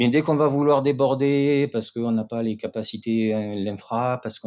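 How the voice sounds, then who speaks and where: A man with a southern French accent talks at a moderate pace, his intonation fairly even. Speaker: city IT director. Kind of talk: podcast interview. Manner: hesitant, many fillers.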